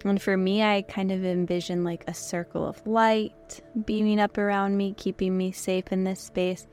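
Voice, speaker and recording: Hoarse woman guiding a soft meditation. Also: mid-range voice, little pitch movement, faint music behind. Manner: soft, slow, gentle instructions with pauses. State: hoarse, losing her voice. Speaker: podcast host and meditation guide. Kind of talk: guided yoga nidra meditation.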